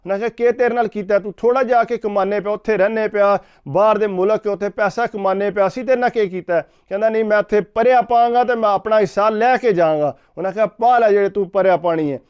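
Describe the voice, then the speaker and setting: A man's voice: high-pitched, fast talker, few pauses, clean tone. A man, vlogging as he retells someone's story in casual storytelling, framing every sentence with "he said". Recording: dull lo-fi recording.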